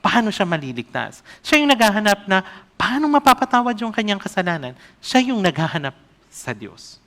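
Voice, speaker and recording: A man preaching a sermon as an evangelist, often asking the congregation questions and reading scripture aloud slowly. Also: sits high, very animated, fairly bright tone.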